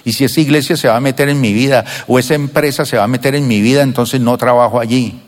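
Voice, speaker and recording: An older man preaching a sermon to his church, animated and acting out children's voices now and then. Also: medium pitch, fast talker. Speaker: pastor. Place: church sanctuary. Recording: long reverb of a church hall.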